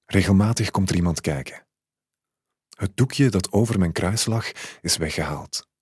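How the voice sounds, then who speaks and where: A man reads a literary short story in a calm, measured first person. His voice sits low and a little husky. The recording is dry and close, with no room sound. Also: dry recording. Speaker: narrator.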